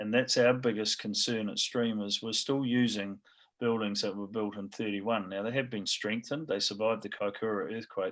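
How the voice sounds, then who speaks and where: Speaking with a New Zealand accent, a man uses a fairly low pitch and fairly even intonation at a moderate pace. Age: 60s. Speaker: school principal. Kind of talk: interview.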